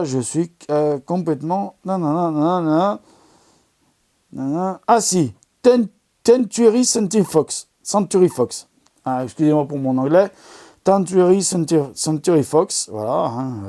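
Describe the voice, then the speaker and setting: A man's voice: on the high side, lively intonation, unhurried, warm tone. A man hosting an amateur astronomy video, recommending documentaries in a casual, enthusiastic and rambling way, full of fillers and restarts. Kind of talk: casual product recommendation talk.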